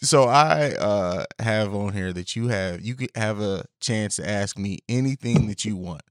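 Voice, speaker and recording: A man's voice: lowish voice, measured pace, no echo. Man hosting a podcast, dry close sound. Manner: hesitant, self-correcting, laughs easily. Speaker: podcast host. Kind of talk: casual conversation.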